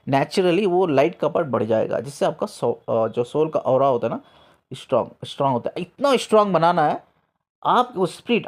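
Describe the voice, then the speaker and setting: A man working as a spiritual coach, telling a story in a lively way. He mixes English words into his talk and repeats himself to stress a point. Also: mid-range voice.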